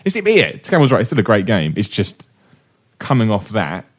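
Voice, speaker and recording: A man co-hosting a gaming podcast in casual, opinionated chat. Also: on the low side. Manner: animated, opinionated, quick asides. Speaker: podcast co-host.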